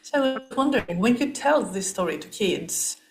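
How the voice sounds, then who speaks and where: A woman's voice: fairly high pitch, expressive, moderate pace, slight background noise. A woman interviewing a guest as podcast host, in a casual conversational style.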